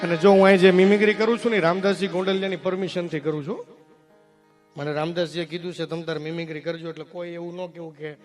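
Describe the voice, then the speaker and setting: A man's voice: high voice, flat delivery, fast, music in the background. A young man telling folk comedy stories on stage, chatty, acting out dialogue in different voices and laughing along. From Gujarat, India. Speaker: stand-up comedian and mimic. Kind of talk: folk stand-up storytelling before an audience.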